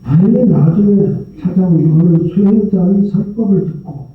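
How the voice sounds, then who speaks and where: A man's voice: high voice, normal speed. A male Buddhist monk giving a sermon, telling a story in a loose, conversational way and asking rhetorical questions. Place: large temple prayer hall. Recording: very echoey hall, distant mic, tinny sound.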